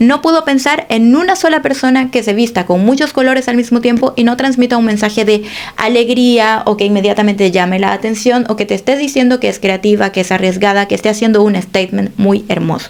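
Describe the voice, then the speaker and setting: A woman's fairly high voice at a fairly quick pace with ordinary pitch variation, very even loudness and hardly any pauses, over noticeable background noise. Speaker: art and color educator, YouTuber. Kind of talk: educational video monologue. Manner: animated; fast.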